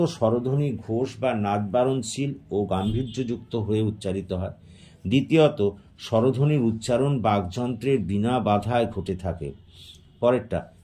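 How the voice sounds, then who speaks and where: A male teacher reading out exam questions and their answers in a steady question-and-answer dictation. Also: lowish voice.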